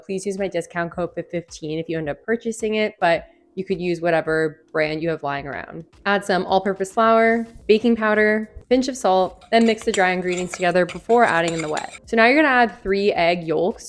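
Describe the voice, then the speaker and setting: Young woman, chatty food vlogger. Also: mid-range voice. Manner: informal, frequent "like" as filler. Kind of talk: casual chatty recipe review and instructions.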